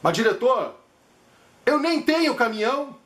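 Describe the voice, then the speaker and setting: Earnest, confused male patient, put on by a man, higher voice, roomy sound. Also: big pitch swings, normal speed, a bit bright, full character voice. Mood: puzzled. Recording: echoey room.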